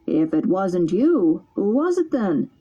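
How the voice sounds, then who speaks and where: A woman's voice: medium pitch, sing-song, takes it slowly, dark tone, husky, muffled recording, heavily acted. A woman voicing a stern male policeman who questions curtly. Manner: curt, questioning.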